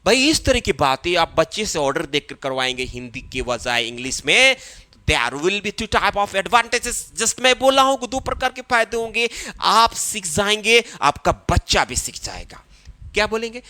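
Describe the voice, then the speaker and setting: A man with a Hindi-influenced English accent, teaching spoken English in a slow classroom style and repeating phrases as he drills them. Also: high voice, very animated, bright, forceful tone. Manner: repeats phrases slowly, drawing out English words.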